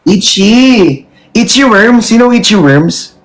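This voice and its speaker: A man from the Philippines with a Filipino accent, chatting casually in halting English and laughing often. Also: high voice, lively intonation, rough recording. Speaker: vlogger chatting with strangers online. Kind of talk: casual video chat.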